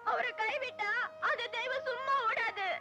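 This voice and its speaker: A woman's voice: very high-pitched, steady tone, normal speed. An actress playing a lovesick young village girl, tearful and pleading, with a Tamil accent. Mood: accusing. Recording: old film soundtrack under loud music.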